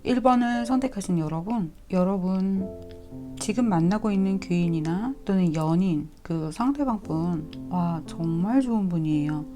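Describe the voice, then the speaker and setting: Woman tarot reader, mellow lowish voice, a touch sore-throated, gentle coaxing delivery, faint music under. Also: a little slow. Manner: gentle, coaxing, addresses viewers directly. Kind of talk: tarot reading to viewers. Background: soft instrumental music.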